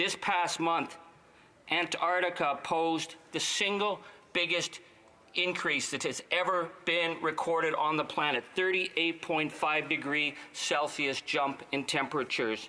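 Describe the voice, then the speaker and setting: Speaking fairly slowly at a high pitch, a man keeps his loudness very even and his intonation fairly even. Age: 60s. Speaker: politician. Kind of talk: parliamentary speech. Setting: legislative chamber. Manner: impassioned.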